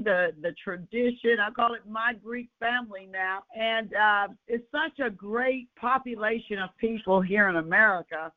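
A woman hosting a radio show, delivering a measured, emphatic devotional message and then interviewing a guest. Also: on the high side. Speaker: radio host. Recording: tinny phone-like radio audio.

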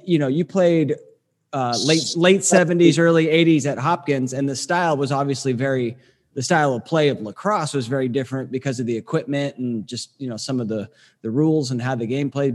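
A man interviewing a guest, halting and searching for words as he asks. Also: medium pitch. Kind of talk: casual interview questions. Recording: distant with long reverb.

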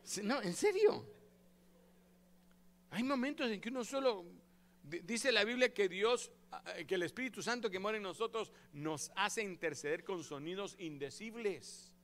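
Animated pastor preaching a sermon. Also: male voice, high voice, moderate pace. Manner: animated, acts out quoted prayers and voices.

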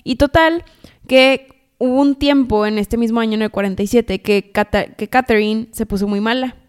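A woman's voice: a little high, normal speed, smooth. A woman co-hosting a podcast, retelling history as chatty, dramatic gossip with asides. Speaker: podcast co-host. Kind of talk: casual storytelling chat.

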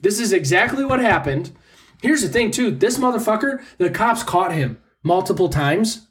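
A man's voice: high-pitched, animated, normal speed, fairly bright tone. A man co-hosting a casual podcast chat, crude and jokey, rambling with lots of fillers. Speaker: podcast co-host.

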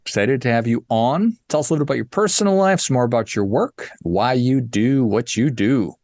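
Guy hosting a podcast, medium voice, dead dry recording, quick friendly questions. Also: mid-range voice, darkish tone, dry recording. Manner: friendly, brief prompting questions. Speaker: podcast host. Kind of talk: interview hosting.

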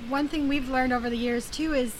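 High-pitched, chatty woman guest with an easy laugh. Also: fairly even intonation, a little fast, a little hiss or hum. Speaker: podcast co-host, guest. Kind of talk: casual interview chat.

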